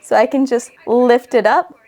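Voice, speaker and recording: Higher-pitched woman giving a tutorial. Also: steady tone, normal speed, mellow. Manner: instructive, conversational. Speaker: online educator, host. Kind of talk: tutorial narration to camera.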